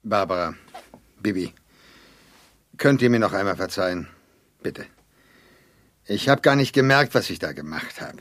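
An actor playing a middle-aged, bumbling and soft-hearted father in a children's audio drama, speaking in an earnest, hesitant way. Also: lowish voice, animated, normal speed, pauses often, no echo, clean studio sound. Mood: remorseful, pleading. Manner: hesitant, hemming and hawing.

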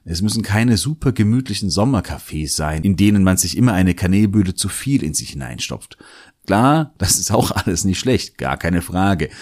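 Deep-voiced German man musing aloud. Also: breathy edge. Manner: thoughtful, musing, hedges and repeats words. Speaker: podcast host. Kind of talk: reflective solo podcast monologue.

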